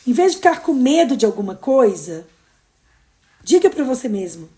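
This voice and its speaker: A woman with a Brazilian Portuguese accent, hosting a casual motivational live stream, expressive and moving between emphatic and soft delivery. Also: fairly high pitch, normal speed. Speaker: host of daily live streams.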